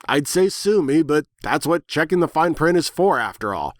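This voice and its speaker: A man's voice: fairly high pitch, moderate pace, no echo, studio quality, voice pushed up. Man playing a flippant, wisecracking pony. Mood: sarcastic. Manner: flippant, slangy, animated sparring. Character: sarcastic, wisecracking, foul-mouthed smoking pony. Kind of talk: dramatic reading of fan fiction.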